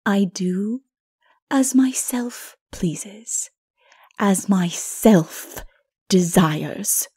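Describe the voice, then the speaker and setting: A woman voicing a proud, tyrannical princess in a dark fantasy audiobook, with a forceful, haughty delivery. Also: medium pitch, lively intonation, extremely slow, husky, voice pushed down, full character voice. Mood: cold defiance. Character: defiant proud wicked princess, tyrannical and unrepentant.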